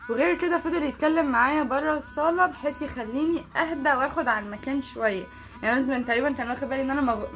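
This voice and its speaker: A woman's voice: high voice, fairly bright tone. A young Egyptian woman telling a personal story casually, chatty and often laughing as she acts out both sides of conversations. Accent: Egyptian Arabic. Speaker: vlogger.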